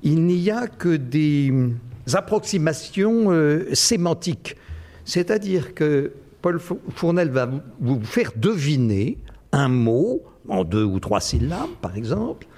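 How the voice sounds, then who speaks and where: Man hosting a reading night, kinda high voice, lots of euh and restarts. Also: very animated, takes it slowly, a little mellow. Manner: hesitant, many fillers and restarts. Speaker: event host. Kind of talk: live literary event hosting.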